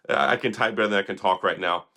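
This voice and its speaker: A hoarse man, sick for days, hosting an opinionated tech commentary vlog in a sarcastic, critical, rambling manner. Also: low-pitched, brisk, pushed and bright. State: hoarse, recovering from illness. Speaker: tech video host.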